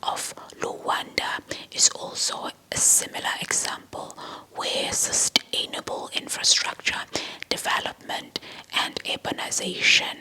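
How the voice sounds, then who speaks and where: Whispering ASMR woman, slow and crisp. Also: sharp tone, low-quality recording. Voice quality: breathy, fully unvoiced whisper. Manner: slow, deliberate, often repeating words and phrases. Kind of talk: whispered ASMR lecture, reading informational text.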